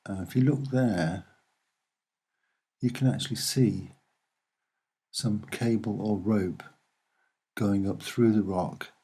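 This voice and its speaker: A soft-spoken man presents an unscripted visual commentary in a dark, husky voice. He moves very slowly and haltingly, pausing often as he searches for the next phrase. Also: fairly low pitch. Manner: hesitant, halting, with many pauses. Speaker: amateur video presenter.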